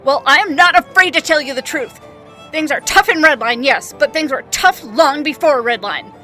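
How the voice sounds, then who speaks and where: An actress playing a disillusioned, self-doubting leader and fed-up wife in an audio drama, with intense, emphatic delivery. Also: female voice, sits high, normal speed, bright, forceful tone, soft background music. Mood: angry, defiant.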